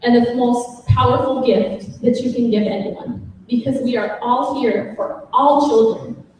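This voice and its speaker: An earnest woman speaks about her path as a parent advocate, with frequent pauses. Her voice is fairly high and sounds distant, picked up from far off in a very echoey conference hall. Faint room noise sits behind her. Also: steady tone. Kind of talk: personal story at a symposium.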